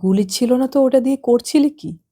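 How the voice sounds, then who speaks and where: A volatile, commanding young man, as a woman narrator puts him on in an audiobook, voice pushed high and loud. He barks orders and drops into a breathless, threatening hiss. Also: measured pace. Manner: shouting, breathless, menacing.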